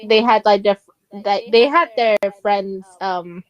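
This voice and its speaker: A woman's voice: medium pitch, takes it slowly, clear, resonant tone, dull audio. Giggly hesitant Asian American woman. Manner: rambling, hesitant, many ums, giggly. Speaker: podcast guest. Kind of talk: casual chat.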